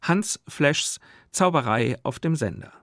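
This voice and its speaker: Creaky-voiced male radio host. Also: a little high, expressive, unhurried, a bit bright, no room sound, studio quality. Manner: articulate, analytical. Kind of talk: scripted narration and expert conversation about radio history. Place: dry studio.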